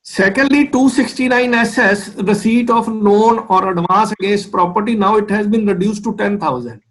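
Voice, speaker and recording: High-pitched North Indian man explaining rules. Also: normal speed, fairly bright tone, poor audio. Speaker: chartered accountant, guest speaker. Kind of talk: explanatory online lecture. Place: online video call.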